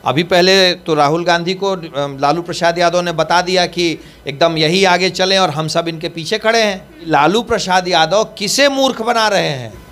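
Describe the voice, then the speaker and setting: A man's voice: sits high, moderate pace, a bit bright. A man speaking as a party spokesperson in a political interview, emphatic and rhetorical, repeating his points.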